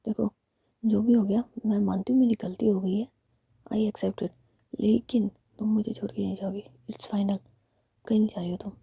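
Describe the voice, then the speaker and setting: A woman whispering the part of a carefree young woman student who coaxes her upset girlfriend, in a husky voice. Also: medium pitch, flat delivery, moderate pace, dark tone, no echo. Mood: defiant. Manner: coaxing, whispered.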